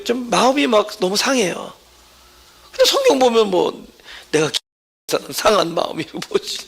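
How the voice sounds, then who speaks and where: High, gravelly-voiced male pastor. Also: fairly bright tone. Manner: conversational, keeps checking in with the congregation. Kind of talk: Sunday sermon. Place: church worship service.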